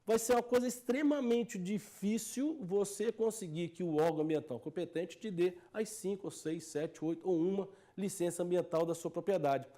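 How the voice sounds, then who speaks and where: A man with a Brazilian Portuguese accent lectures as a technical advisor and hammers each point home by repeating phrases. His voice sits high for a man, yet the tone stays mellow and soft-edged. His delivery is earnest and explanatory throughout. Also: normal speed, few pauses.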